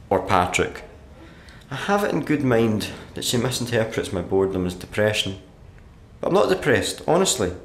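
A man playing a sullen, sardonic writer narrating his diary in a black comedy radio play, dry and deadpan. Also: lowish voice, natural voice. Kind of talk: dramatic monologue, diary narration in a black comedy audio drama. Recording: roomy echo with background noise.

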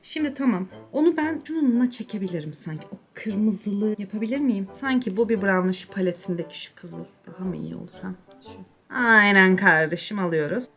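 A woman's voice: medium pitch, expressive, fairly quick, gravelly, few pauses, a bit bright, faint music behind. A young woman chatting casually to her viewers while doing her makeup, self-mocking and drifting into mutters. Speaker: beauty vlogger.

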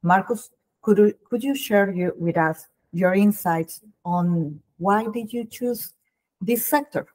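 She's a host in her thirties, Colombian-accented and Spanish-speaking by birth, chatting through an informal video-call interview in a home room and frequently starting over. Her voice is mid-range, slow and a little mellow.

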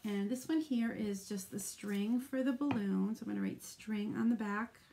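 Middle-aged woman, live craft tutorial host, mid-pitched, chatty step-by-step explainer, faint room hum. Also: normal speed, dark tone. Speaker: craft demonstrator.

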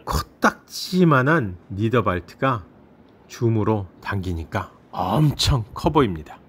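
A man narrating a travel vlog in a calm voice-over with light humor. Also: fairly low pitch, slow pace, breathy edge.

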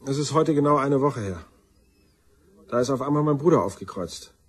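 Husky, boozy black-sheep brother. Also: male voice, medium pitch, lively intonation, moderate pace. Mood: confiding. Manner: colloquial, slangy, self-deprecating. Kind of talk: German crime radio drama acting.

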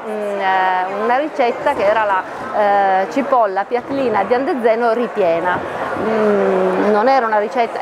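Middle-aged woman at a noisy fair. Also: fairly high pitch. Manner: measured, hesitant with many fillers and restarts. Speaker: training officer for a farmers' association. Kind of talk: stand interview at a food fair. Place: busy exhibition hall stand with a crowd. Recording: crowd chatter and hall noise behind.

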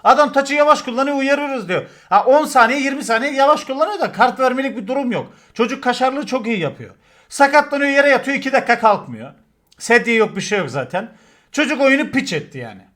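A man, telling crude football stories to his stream chat in a casual, animated way, swearing and acting out shouts. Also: very high voice, quick pace.

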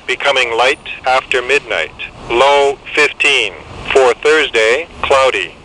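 Sharp synthetic male weather radio voice. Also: mid-range voice. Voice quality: synthetic, segmented delivery. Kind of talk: automated weather forecast reading. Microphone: camera held near radio's speaker. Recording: noisy weather radio through small handheld speaker.

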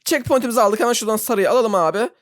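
A gaming YouTuber giving excitable Roblox gameplay commentary, talking straight to viewers, self-mocking and frustrated, moving from low muttering to sudden squeals. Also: racing, dry recording, clean studio sound. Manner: talks to viewers directly, laughs often.

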